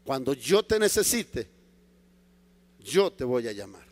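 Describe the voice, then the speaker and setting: A man voicing God as a calm, stern, commanding figure in a sermon, speaking slowly and softly. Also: medium pitch, big-room sound, pitched below the performer's own voice, full character voice. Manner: slow, hushed, firm and patient. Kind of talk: acted quote in a sermon.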